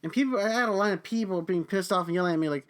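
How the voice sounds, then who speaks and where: A man's voice: high-pitched, racing. A young man hosting a podcast, venting angrily about his job in a foul-mouthed rant. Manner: heavy swearing, angry venting. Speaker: podcast host. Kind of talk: profane ranting monologue.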